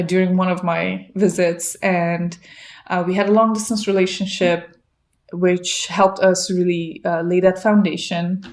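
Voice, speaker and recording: Woman from afghanistan chatting on a podcast, reflective, laughs softly now and then, mid-pitched voice. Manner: reflective, with soft laughs and frequent fillers. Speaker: podcast guest, actress. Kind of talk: casual interview talk.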